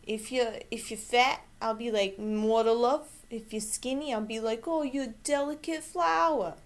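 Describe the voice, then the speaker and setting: A woman's voice: on the high side, moderate pace, lightly acted. A woman playing an earthy, eager, plain-spoken red-blooded man in a comic monologue. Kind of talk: comedic character monologue.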